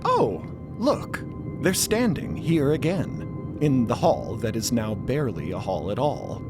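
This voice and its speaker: A man's voice: medium pitch, big pitch swings, measured pace, over music. A man narrating a scripted audio drama in a dramatic storytelling style.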